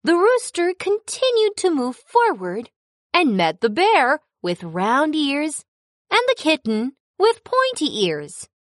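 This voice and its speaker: Expressive woman narrating a kids' story. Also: high voice, dry recording, studio quality.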